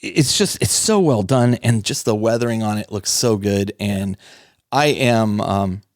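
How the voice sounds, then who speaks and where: Male podcast co-host, lowish voice, chatty and enthusiastic, dry close mic. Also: a little slow, no room sound. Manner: enthusiastic, laughs often, rambling restarts. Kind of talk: casual hobby podcast chat.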